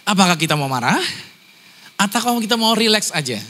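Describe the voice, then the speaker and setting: Man from Ambon, pastor, high and bright, lively joking sermon delivery. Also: fairly quick. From Ambon, Indonesia. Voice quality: naturally high-pitched voice. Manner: animated, joking, acts out voices of others.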